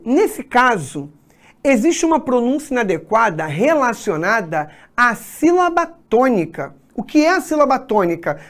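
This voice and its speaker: A woman teacher explaining grammar at a whiteboard, often checking in with her students. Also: on the high side. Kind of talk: exam-prep grammar lesson.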